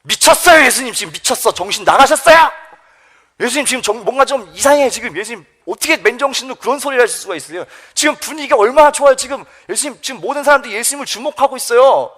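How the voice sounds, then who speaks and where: Brief: outraged young male disciple, shrill and lively, played by a man. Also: quick pace, exaggerated voice. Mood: indignant. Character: indignant young male disciple, arguing hotly.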